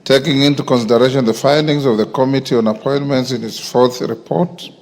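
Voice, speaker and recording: A man's voice: medium pitch, fairly even intonation, brisk, darkish tone. A man with a Kenyan accent presiding over parliament in a formal, official, procedural way. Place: large indoor parliament chamber. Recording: reverberant large hall.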